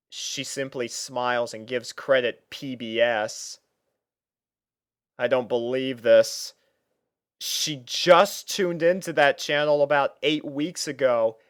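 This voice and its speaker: A man's voice: medium pitch, clean tone, dry recording, studio quality. A man reading a first-person fan fiction story as narrator, dramatising the character's thoughts.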